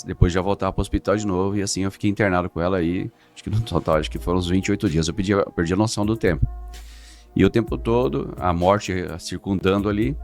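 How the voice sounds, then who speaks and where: A middle-aged man, giving an earnest, halting religious testimony as a podcast guest. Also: low-pitched. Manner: earnest, halting, restarts words.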